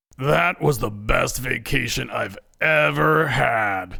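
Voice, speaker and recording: A man does a put-on character voice, raspy and fairly low, with very wide pitch swings. He talks at a fairly slow pace. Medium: audio drama. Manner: casual, easygoing.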